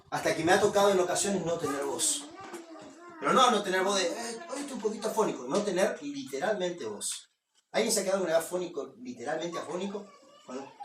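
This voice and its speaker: A man talks at a very fast pace, his pitch high and his intonation lively. The room echo is audible. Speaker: preacher. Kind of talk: sermon.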